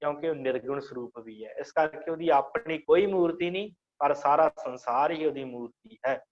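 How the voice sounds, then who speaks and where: A scripture teacher with a slightly high voice chants each verse line slowly, then patiently unpacks it word by word. The audio is dull and lo-fi, like an online class.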